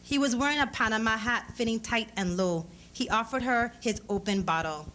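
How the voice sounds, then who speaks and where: A woman's voice: a little high, normal speed, fairly bright tone. Woman giving a dramatic story reading, noisy recording. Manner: acts out dialogue in character voices. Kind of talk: dramatic literary reading of fiction. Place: live lecture event. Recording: clearly noisy live event recording.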